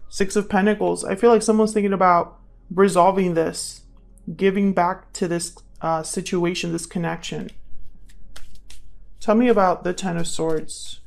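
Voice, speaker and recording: A woman giving a casual tarot reading, thinking aloud and speaking straight to the listener in a conversational way, with gravelly vocal fry. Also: fairly low pitch, steady tone, a little slow, darkish tone. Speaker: tarot reader, channel host.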